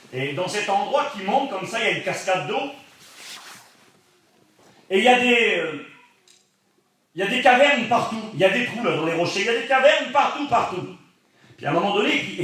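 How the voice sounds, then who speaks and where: A man from Brittany, a pastor preaching a sermon as animated storytelling that swings from hushed to loud. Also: fairly high pitch. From Brittany, France. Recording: echoey hall from far off.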